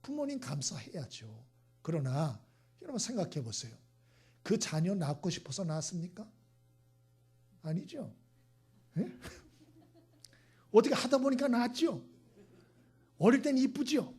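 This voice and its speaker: A middle-aged male pastor preaching a sermon, asking rhetorical questions, acting out quick voices and sometimes dropping to a whisper. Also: high-pitched, very animated, darkish tone, husky.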